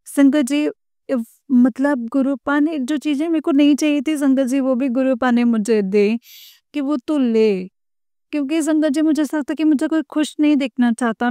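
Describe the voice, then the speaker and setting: A woman's voice: sits high, moderate pace, dark tone, clear, resonant tone, no room sound, clean studio sound. A woman on the verge of tears, pleading with her guru again and again in an emotional devotional talk to her followers. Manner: pleading, repetitive, addresses her guru directly. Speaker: devotional channel host addressing followers.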